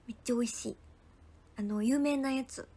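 A young idol livestreamer with a high voice chats at normal speed, reading viewer comments aloud. She thanks viewers by name and slips into soft whispered asides.

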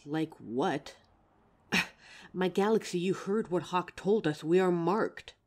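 A young woman voice actor performs an audio roleplay for a listener as an anxious, protective female werewolf speaking to her partner. Her fairly low, darkish voice moves slowly, hesitant and worried, stammering and sighing often.

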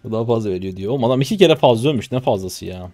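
A man in his twenties from Turkey giving casual live commentary on his own gameplay, chatty and trash-talking, with sudden loud excited shouts, on a close desk mic. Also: on the low side, rapid-fire, no echo. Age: 20s. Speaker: gaming streamer.

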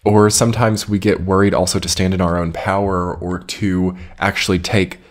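A man's voice: deep voice, level tone, moderate pace. A man with a slightly scratchy voice from a cold, giving a casual, rambling monthly astrology forecast with many fillers. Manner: rambling, filler-heavy, reflective. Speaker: astrology reader.

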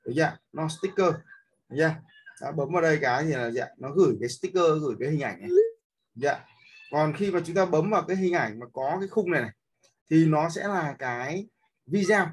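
A man's voice: on the high side, animated, fast talker, husky. A man teaching an app step by step, with many fillers and frequent checks that his listeners are following. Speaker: instructor. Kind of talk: screen-recorded app tutorial.

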